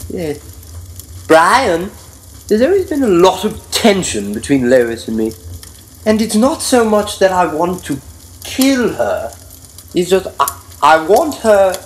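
A woman hamming it up with playful comedic voices. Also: mid-range voice. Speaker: comedy co-host. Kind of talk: comedic sketch banter.

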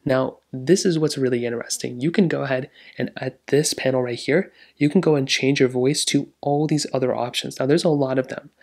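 A man's voice: mid-range voice, steady tone, a little fast, few pauses, darkish tone. A man hosting a casual tech how-to voiceover, rambling along with repetitive phrasing. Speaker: tech tutorial host.

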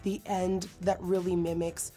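A young woman with a hoarse, recovering voice and a Dutch accent, chatting dramatically through a makeup tutorial in a studio. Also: fairly low pitch, flat delivery, a little slow, mellow, soft background music. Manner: bubbly, dramatic, self-mocking. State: hoarse from illness. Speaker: beauty vlogger. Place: indoor studio set.

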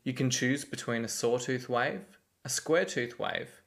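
A man's voice: mid-range voice, unhurried, fairly bright tone. A man giving scripted, step-by-step instructional narration as a tutorial instructor.

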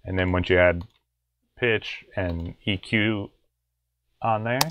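A man's voice: sits low, fairly even intonation, slow pace, a bit bright, dull audio, slight background noise. A young adult man hosting a casual music production tutorial, explaining in a laid-back, conversational way. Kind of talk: casual screen-share tutorial. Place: small home studio room.

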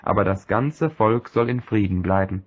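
A man's voice: on the low side, normal speed, close to an everyday voice. A cunning royal adviser, read by a man. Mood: calculating. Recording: dull lo-fi recording.

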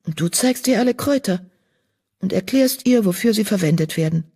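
A woman voicing a calm, kind young female medicine cat in an audiobook, speaking softly and reassuringly. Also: mid-range voice, brisk, slightly rough. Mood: soothing. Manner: soft, soothing, reassuring. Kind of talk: audiobook character voice.

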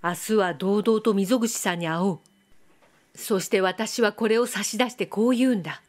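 A woman voicing a resolute, earnest young samurai in an audiobook, speaking firmly and plainly in a slightly lowered voice. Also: normal speed, close to an everyday voice. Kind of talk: audiobook reading.

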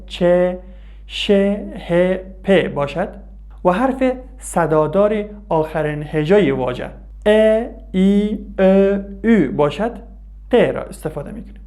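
A man's voice: fairly high pitch, a little mellow. A man from Afghanistan, a native Dari speaker, hosting a scripted language lesson and explaining patiently, asking questions and answering them himself. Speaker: language teacher and host.

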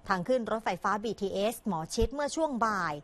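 A woman news reporter narrating a crime story in a brisk, polite news delivery. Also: a little high, expressive, a bit bright.

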